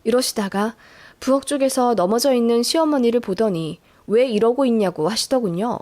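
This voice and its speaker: A woman's voice: fairly high pitch, normal speed, mellow. A woman narrating a listener's true story in the first person, telling it with feeling.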